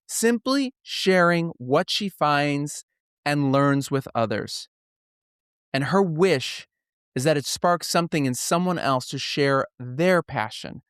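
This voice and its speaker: A man's voice: fairly high pitch, a bit bright, clean tone, no echo, studio quality. A man hosting a podcast in an upbeat, conversational style, with a folksy, emphatic and playful delivery. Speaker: podcast host.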